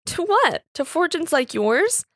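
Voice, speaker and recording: A woman's voice: very high voice, very animated, measured pace, fairly bright tone, no room sound, pitched above the performer's own voice, exaggerated voice. Storybook master, read by a woman: amused, formal, reasoning, mildly condescending, recorded dry. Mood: reasoning, advising. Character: genteel, amused Victorian master of the house.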